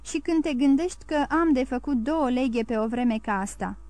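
A woman voicing a shrewd male jeweller in an audiobook, brisk and polite. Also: very high-pitched, darkish tone, dry recording. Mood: wary.

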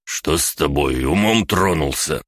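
Gruff old male hermit, voiced by a man, grumbling, scolding, very deep voice. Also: animated, unhurried, fairly bright tone, no room sound, clean studio sound, full character voice. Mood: exasperated.

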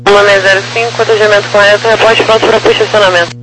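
A man's voice: high-pitched, flat delivery, racing. A Brazilian man working as an air traffic controller, giving clipped, procedural instructions over an aviation radio. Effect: aviation radio transmission. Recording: very noisy, humming aviation radio channel.

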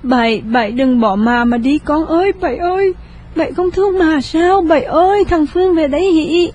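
A woman's voice: a little high, moderate pace, darkish tone, breathy edge. A woman voicing a grieving elderly noble mother in an audio story, speaking in a sighing, lamenting way. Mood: wailing. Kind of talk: audio drama reading.

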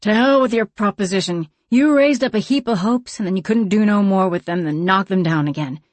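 A woman voicing a fierce, blunt frontier gunslinger woman with rough Western talk. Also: mid-range voice, a little fast, no room sound, lightly acted.

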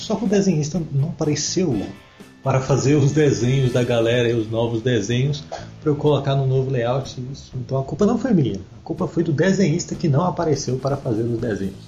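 A young man with a Brazilian accent hosting a casual podcast, reading out listener comments in a relaxed way. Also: mid-range voice, quick pace, faint music behind. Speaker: podcast host. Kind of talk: casual chat. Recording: roomy, dull lo-fi sound.

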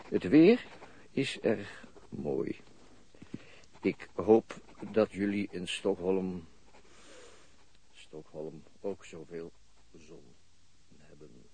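A man's voice: deep voice, vocal fry, warm tone, full character voice. An actor playing a wry, self-mocking police detective in a radio drama, dry and sometimes hesitant in his delivery. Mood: pensive. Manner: dry, sardonic, hesitant when talking. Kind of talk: radio drama dialogue and ironic inner monologue. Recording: noisy radio play with background ambience.

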